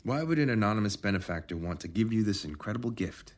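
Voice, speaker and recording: Needling government officer, deepish voice, lots of intonation, officious, sci-fi audio drama. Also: male voice, animated. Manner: officious, insinuating, measured. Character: needling male rejuvenation officer, officious and probing.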